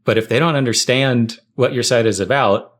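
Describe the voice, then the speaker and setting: A man's voice: mid-range voice, normal speed. A man talking conversationally and anecdotally as a guest in a casual podcast chat. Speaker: tech writer, podcast guest.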